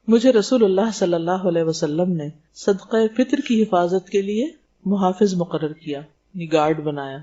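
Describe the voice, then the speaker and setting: Mellow-voiced woman giving a religious lecture. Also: medium pitch, muffled recording. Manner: explains terms, asks rhetorical questions. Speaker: Islamic teacher.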